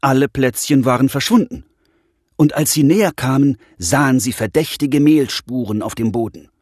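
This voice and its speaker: A man's voice: medium pitch, moderate pace, no room sound, clean studio sound. A man narrating a Christmas fairy tale for children in a storytelling manner. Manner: warm storytelling.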